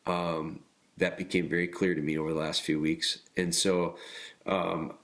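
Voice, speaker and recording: A man hosting a podcast with a nasal, congested voice, talking casually and haltingly with frequent pauses and restarts. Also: low-pitched, level tone, fairly bright tone. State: congested from illness. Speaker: podcast host.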